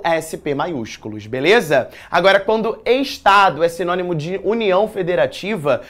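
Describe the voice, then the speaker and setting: Lively slangy male writing teacher. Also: high voice. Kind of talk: exam prep lesson.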